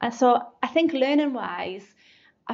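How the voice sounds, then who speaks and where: This woman talks with a North East England accent. Her pitch varies in an ordinary way. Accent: North East English (Geordie). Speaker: business founder and recruiter. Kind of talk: casual interview.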